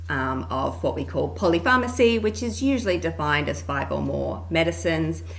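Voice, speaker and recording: In an Australian accent, a woman speaks at a moderate pace amid noticeable background noise and audible room echo. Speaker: pharmacist and researcher. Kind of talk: podcast interview.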